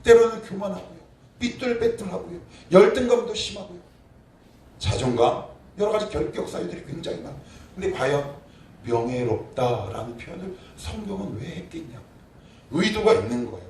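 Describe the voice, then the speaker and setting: A man's voice: high-pitched, normal speed. A middle-aged male pastor preaching a sermon, asking the congregation questions and crying out prayers. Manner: animated, asks the congregation questions, shouts acted prayers. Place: church sanctuary. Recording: echoey church room, from far off, faint noise.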